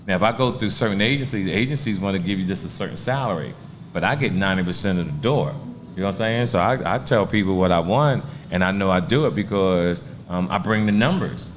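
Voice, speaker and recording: Speaking fast in a low-pitched voice, a man in his sixties, a stand-up comic, spins streetwise, laid-back stories in a casual interview. Slight background noise is audible.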